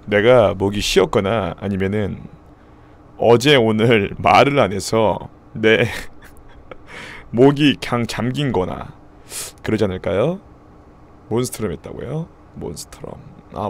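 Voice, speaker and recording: A man streaming live with a hoarse voice, chatting casually and thanking subscribers. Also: on the low side, expressive, measured pace, a little hiss or hum.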